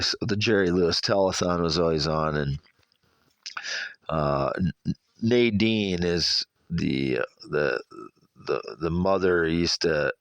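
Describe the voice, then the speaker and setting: Middle aged midwest american guy, super deep gravelly voice, stuffed up from allergies, rambling and halting, dry sound. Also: fairly bright tone, no room sound. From Iowa, United States. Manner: halting, repetitive, self-correcting. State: congested from ragweed allergy. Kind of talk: rambling personal monologue.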